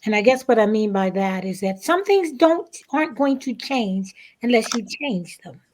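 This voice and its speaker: A woman guest speaking reflectively in a panel interview, with emphatic, deliberate phrasing and pauses. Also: on the high side, animated, a little mellow. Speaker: stage play cast member, guest.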